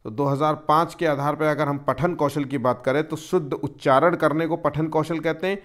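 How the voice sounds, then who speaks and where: A man's voice: on the high side, steady tone, normal speed, a bit bright. A man teaching an exam-prep lesson, explaining step by step and posing questions he then answers himself.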